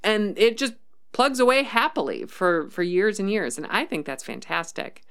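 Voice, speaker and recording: A woman's voice: medium pitch, animated, normal speed, fairly bright tone, smooth. A woman hosting a casual livestream, reading chat comments and thinking aloud with many ums and restarts. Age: adult, worked as a developer.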